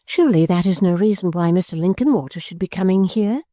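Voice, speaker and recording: A woman voicing a modest young daughter in a storybook, earnest, gentle and easily flustered. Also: on the low side, lively intonation, fast, no room sound, studio quality, pitched above the performer's own voice, close to an everyday voice. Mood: anxious protest.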